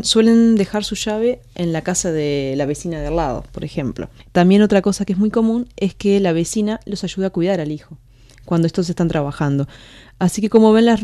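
A woman's voice: lowish voice, warm tone, dry recording, clean studio sound. A woman co-hosting a scripted language lesson, repeating words back and presenting a short practical segment. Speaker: co-host.

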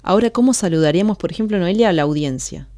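Woman co-host, engaged and conversational, warm lowish tone, dry studio mic. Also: expressive, fast talker, dry recording. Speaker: co-host, learner. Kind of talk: language lesson, repeating words and chatting.

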